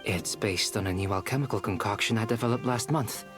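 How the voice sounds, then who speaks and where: An actor playing a calm, analytical young male alchemist in a fantasy video game, speaking in measured, precise, formal phrases. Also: fairly low pitch, over music, lightly acted. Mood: composed, analytical.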